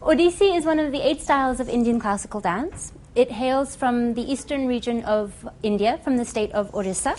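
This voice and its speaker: A woman presenting a documentary, explaining a dance costume and its jewelry in a clear, informative way. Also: fairly high pitch, a little mellow. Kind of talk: documentary narration.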